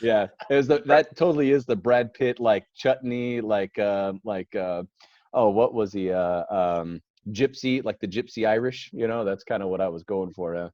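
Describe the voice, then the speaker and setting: Casual male podcast host, lowish voice, rambling and quick to laugh; dull, dry lo-fi sound. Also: a little mellow, no echo. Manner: rambling storyteller, laughs often, many restarts. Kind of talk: casual chat.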